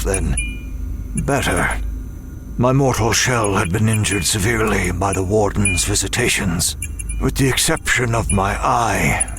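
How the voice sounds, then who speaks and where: An actor playing a weary, irritated jailer trapped in a dark maze, narrating a horror audio drama in formal, theatrical, measured diction. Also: male voice, deep voice.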